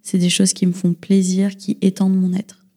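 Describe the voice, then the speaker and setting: Woman, podcast guest, flat intonation, mellow timbre, earnest, restarts. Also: mid-range voice, normal speed. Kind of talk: casual round-table chat.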